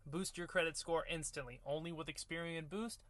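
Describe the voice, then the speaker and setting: A man's voice: fairly high pitch, fairly even intonation, brisk, fairly bright tone, no echo. A man in his thirties delivering scripted commercial narration as a voice-over artist.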